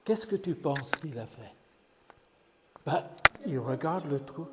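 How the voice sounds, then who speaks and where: An older man with an English accent, a guest preacher telling a gentle story to children in church. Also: fairly high pitch. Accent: English-speaking. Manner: gentle, slow and lively storytelling. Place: church hall. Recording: church hall reverb, faint noise.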